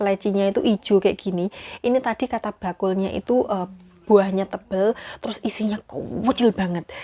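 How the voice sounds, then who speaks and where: A woman talks at a medium pitch with fairly even intonation and a dark, mellow tone. The sound is dry and close, with no echo. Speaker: migrant domestic worker vlogger. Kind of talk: casual vlog talk. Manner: quiet, speaking softly.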